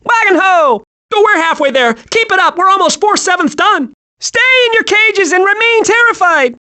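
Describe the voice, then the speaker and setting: A man voicing a childlike, gleeful, hyperactive squirrel in an animated video game, excitable and naively cheerful. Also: very high voice, moderate pace, heavily acted. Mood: excited.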